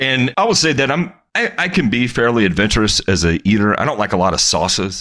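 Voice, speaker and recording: A man talks at a fairly quick pace with lively intonation in a Southern US accent. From US South, Mississippi/Memphis. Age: 30s. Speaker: podcast hosts' husband. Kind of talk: casual chat.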